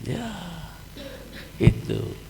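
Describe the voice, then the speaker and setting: A man's voice: on the low side, drawn-out words, vocal fry, heavy background noise. A middle-aged man preaching at a family seminar, telling stories and acting out the dialogue. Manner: lively storytelling, acts out dialogue, asks congregation for amen. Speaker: pastor. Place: church hall. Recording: reverberant church hall with faint ambience.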